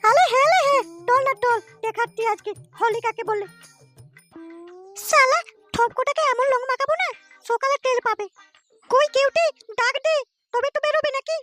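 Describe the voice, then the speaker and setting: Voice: very high voice, normal speed. A performer voicing a cheeky, foul-mouthed boy prankster in a Bengali comedy cartoon, brash, boastful and taunting. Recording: music behind the voice.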